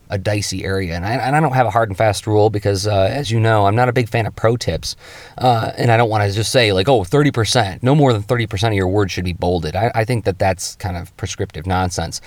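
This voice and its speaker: This lettering-show host, a comics artist, speaks on the low side with no room sound. His tutorial is conversational and informal: he thinks out loud, keeps interjecting himself, and changes his voice forcefully for emphasis.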